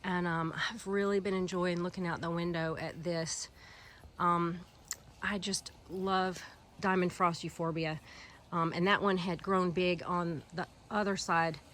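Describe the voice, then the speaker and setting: A woman's voice: on the low side, flat delivery, unhurried, fairly bright tone, slight background noise. A woman with a Southern US accent and a stuffy head cold, chatting casually and rambling with many fillers as she walks through her outdoor garden filming it by hand. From Alabama Gulf Coast, US. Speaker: gardening vlogger. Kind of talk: casual walking garden tour.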